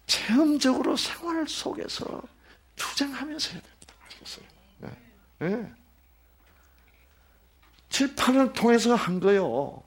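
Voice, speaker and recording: Male pastor, Bible study sermon: lively, swooping delivery, quizzes the congregation, then drops to a hush. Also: very high-pitched, a little slow, pauses often, breathy edge. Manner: animated, asks the congregation questions and answers them himself; drops to a whisper at times. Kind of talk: sermon-style Bible lesson.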